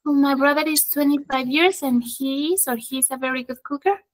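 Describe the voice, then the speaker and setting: A woman's voice: high-pitched, normal speed, no room sound, poor audio. A young woman whose first language is Spanish, answering in an online English class with hesitant, searching replies. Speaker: student.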